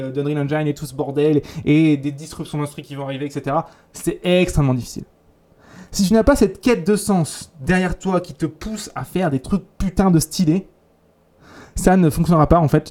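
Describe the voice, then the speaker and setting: Fast, blunt guy, dark voice. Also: fairly high pitch. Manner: blunt, crude slang, lots of filler and restarts. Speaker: YouTube 3D teacher. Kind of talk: casual motivational talk.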